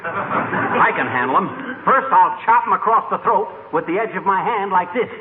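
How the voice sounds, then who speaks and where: A man playing a boastful, excitable middle-aged husband in a 1940s radio comedy, talking in quick comic bluster. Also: sits high, narrow, tinny audio. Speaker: comic lead in a radio sitcom. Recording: scratchy old radio broadcast, roomy, hiss.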